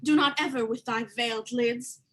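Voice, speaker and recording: A woman playing a gentle, pleading middle-aged queen and mother in a livestreamed Shakespeare reading, in measured formal verse. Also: fairly high pitch, fairly even intonation. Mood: gently chiding.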